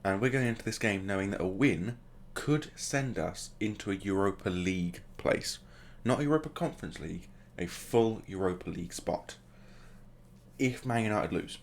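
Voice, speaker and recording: A man's voice: sits low, expressive, normal speed, vocal fry, few pauses, slight background noise. A man hosting a gaming video, casually commentating the play as it happens and adding joking asides. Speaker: gaming channel host.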